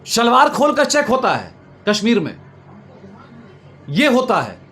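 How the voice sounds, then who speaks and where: High-pitched man arguing emphatically. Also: huge pitch swings, a little slow, fairly bright tone. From Bengal, India. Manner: emphatic, repetitive, oratorical lists. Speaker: political commentator being interviewed. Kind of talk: impassioned political argument. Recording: noticeable background noise.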